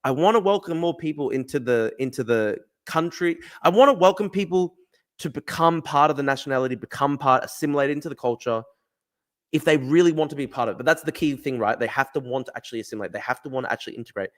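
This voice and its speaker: This young man, hosting a casual stream and reading the chat aloud, speaks fast at medium pitch with lively intonation. Expect bluntness, arguing, plenty of swearing and repeated phrases.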